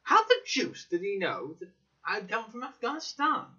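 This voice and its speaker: Courteous, inquisitive male doctor voiced by a male narrator, higher-pitched, animated, audiobook drama. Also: normal speed, heavily acted. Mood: intrigued. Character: curious, courteous male ex-army doctor, easily impressed. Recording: dull, slightly lo-fi recording.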